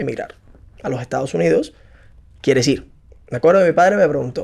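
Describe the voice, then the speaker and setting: A man talks at a very fast pace with very wide pitch swings and vocal fry. His pitch is fairly high. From Cuba. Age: 30s. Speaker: entrepreneur. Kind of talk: interview. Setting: in person in Miami.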